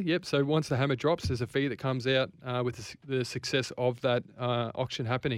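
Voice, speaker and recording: A man's medium-pitched voice with an Australian accent at a very fast pace, on a very clean recording with a silent background. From Victoria, Australia (Ballarat). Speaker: buyer's agent. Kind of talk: casual chat. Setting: studio.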